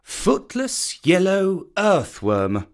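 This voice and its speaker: Man doing a proud black panther, sly, sweetly mocking, slow, pitched up, storybook. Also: wildly swooping pitch, full character voice. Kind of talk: storybook reading.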